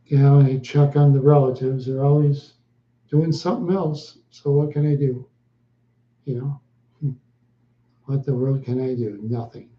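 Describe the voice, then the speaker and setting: Man, livestream chat, halting, repetitive, echoey room, dull lo-fi audio. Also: medium pitch, steady tone. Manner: slow, halting, repeats short answers. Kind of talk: live stream chat with viewers.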